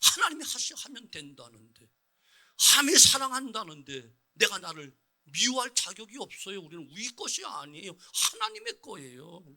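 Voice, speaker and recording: A middle-aged man, a senior pastor, preaching a sermon in church, moving between quiet low asides and loud, urgent appeals to the congregation. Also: wildly swooping pitch, normal speed. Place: church sanctuary.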